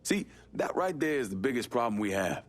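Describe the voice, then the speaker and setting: A man's voice: medium pitch, sing-song, fairly quick, slight background noise, close to an everyday voice. A man playing a hardened, wary Black American war veteran in a video game, speaking bluntly with a Southern US accent. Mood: firm, indignant. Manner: blunt, guarded, profane. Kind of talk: naturalistic video game cutscene acting.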